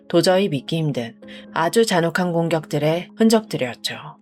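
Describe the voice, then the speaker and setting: A woman speaks in a soothing, calm tone at a fairly low pitch, with lively intonation. Music plays in the background. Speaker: true crime narrator. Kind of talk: true crime sleep story narration. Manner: sleepy, soothing.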